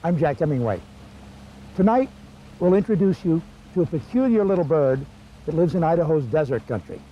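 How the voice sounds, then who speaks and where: A man's voice: on the high side, lively intonation, brisk, slight background noise. A man hosting a television nature documentary, reading scripted introductions. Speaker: television show host. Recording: dull lo-fi sound with music.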